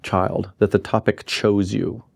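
A man hosting an interview, asking measured questions with frequent hesitations. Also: lowish voice, level tone, gravelly, darkish tone. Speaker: interviewer host.

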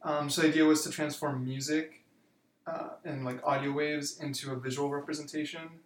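A man in his twenties, a university student, answering interview questions in a relaxed way with many fillers. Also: fairly high pitch, normal speed, reverberant, slight background noise. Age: 20s. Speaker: student guest.

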